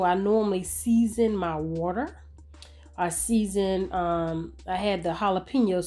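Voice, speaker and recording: A middle-aged woman hosting a home cooking video, chatting in a relaxed, homey way and talking to her viewers as y'all while she cooks. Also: mid-range voice. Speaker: home cook and channel host. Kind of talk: casual cooking tutorial narration.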